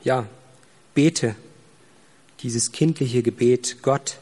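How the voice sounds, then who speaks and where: A man preaching a sermon, speaking earnestly and directly to the listener, slowing down for emphasis. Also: mid-range voice, darkish tone, husky, big-room sound.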